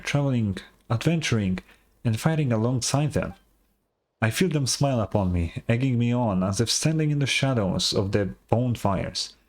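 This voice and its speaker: An actor playing an earnest tribal storyteller in a video game, telling heroic legends in a measured, reverent, solemn way. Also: male voice, mid-range voice, a little mellow, lightly acted. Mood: earnest, wistful. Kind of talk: dramatic storytelling, scripted game dialogue.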